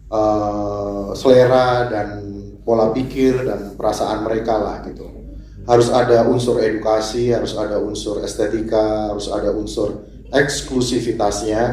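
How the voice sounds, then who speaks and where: Deliberate man answering at a press conference. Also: medium pitch, a little mellow, slight background noise. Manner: deliberate, hesitant with fillers. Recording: echoey hall, faint ambience.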